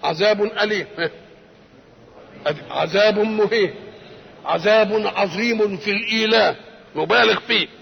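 A man's voice: sits high, unhurried, vocal fry, pauses often, fairly bright tone, in a large hall. An older man with an Egyptian Arabic accent giving a Quran commentary lecture, who keeps asking rhetorical questions and answering them himself. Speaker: religious scholar.

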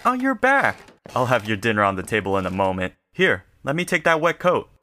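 Doting male messenger: fussy, attentive, very animated intonation, comedic radio-play delivery. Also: medium pitch, a little fast. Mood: eager, attentive. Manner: solicitous, domestic. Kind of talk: comedic old-time radio acting.

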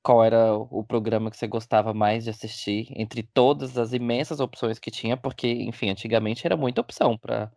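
A man's voice: mid-range voice, steady tone, fairly quick, creaky, hardly any pauses, a little mellow, no echo, clean studio sound. A man co-hosting a podcast with a teasing, camp, playful manner. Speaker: podcast co-host. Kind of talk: casual chat.

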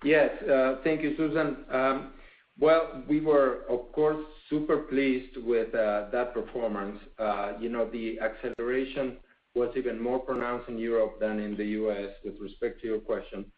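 A man speaking as a company executive, answering off the cuff on an earnings call, halting and full of fillers and pauses. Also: medium pitch, level tone. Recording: phone-like, echoey conference line.

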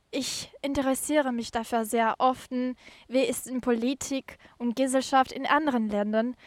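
Female podcast guest, high voice, halting delivery, dry close recording. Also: dry recording. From Ukraine. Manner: halting, careful non-native phrasing. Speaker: podcast guest, career mentoring volunteer. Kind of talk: interview answers.

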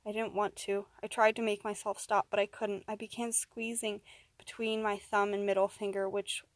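A woman narrating a first-person horror story, steady and even, rising in tense moments. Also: mid-range voice, moderate pace, dry recording.

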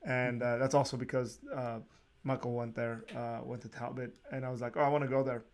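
A man hosting a casual interview, talking in a relaxed, rambling way with frequent restarts and small laughs. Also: medium pitch, brisk. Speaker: podcast host.

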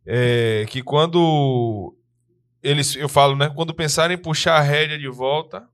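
A man's voice: on the high side, unhurried, a bit bright. A man from Brazil co-hosting a casual podcast, reading out viewer messages and answering them earnestly. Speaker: podcast co-host.

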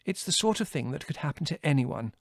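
A man's voice: a little high, very animated, a little fast, husky, no room sound, clean studio sound, voice pushed up, exaggerated voice. A man voicing a flustered, polite middle-aged English mother in a storybook reading. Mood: polite, shaky. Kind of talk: audiobook character voice.

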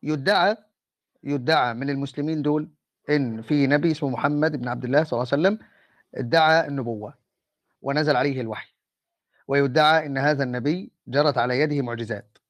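Fast soft-spoken Egyptian man debating. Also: mid-range voice, no echo. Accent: Egyptian Arabic. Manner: measured, calls for patience, speaks softly. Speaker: Muslim debater. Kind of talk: online debate in a voice chat room.

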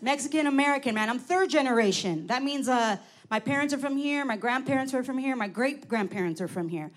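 A woman's voice: high voice, lively intonation, a little fast. A woman doing a brash, profane stand-up set into a handheld mic. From Los Angeles. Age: 40s. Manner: brash, profane, loud punchlines. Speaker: stand-up comic.

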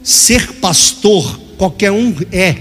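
An older male pastor preaches with drama, slipping into acted voices and sudden shouts. His voice sits fairly high. It rings through a reverberant church hall while soft music plays underneath. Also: lively intonation, slow pace. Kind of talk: sermon.

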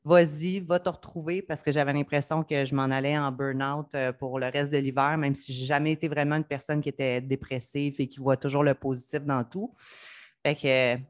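A woman's voice: a bass voice, little pitch movement, brisk. A woman in her thirties with a Quebec French accent, a podcast guest telling her story in a candid, personal way. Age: 30s. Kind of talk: casual podcast interview.

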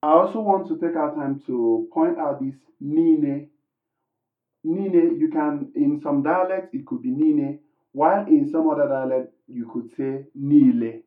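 A man's voice: a little high, unhurried. Male Igbo-native teacher, patient explainer, roomy tinny call audio. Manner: explains patiently with many ums and restarts. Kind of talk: casual language lesson.

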